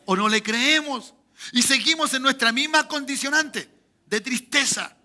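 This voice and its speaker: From a church pulpit, a Chilean pastor with a Chilean Spanish accent delivers an unhurried sermon in a voice that's high for a man, very bright and forceful. He rises to loud, emphatic peaks, drops into quiet asides, and keeps calling for amens from the congregation.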